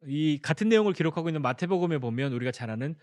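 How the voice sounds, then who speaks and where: Korean pastor with a lively, higher voice. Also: male voice, rapid-fire, no room sound, studio quality. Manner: storytelling, acting out quoted dialogue; asks the congregation questions. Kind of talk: sermon.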